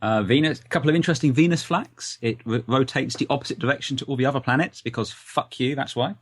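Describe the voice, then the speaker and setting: A man's voice: mid-range voice, fast talker, noisy background. A man speaking as a podcast guest in casual chat, cracking jokes and swearing. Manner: wisecracking, sweary.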